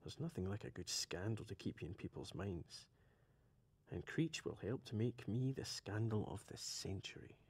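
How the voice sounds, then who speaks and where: An actor playing a vain, haughty gentleman thief in a radio play, wry and mocking. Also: fairly low pitch, expressive, moderate pace, gravelly, breathy edge, full character voice. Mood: scornful. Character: vain, defiant gentleman thief awaiting execution.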